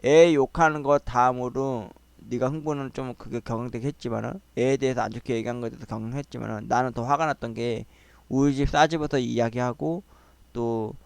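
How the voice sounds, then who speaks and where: A man hosting his own channel, telling a family quarrel story in a casual, agitated way and acting out the shouting. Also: medium pitch, fairly quick, vocal fry, smooth, no room sound. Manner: agitated, animated retelling, quoting people in raised voices.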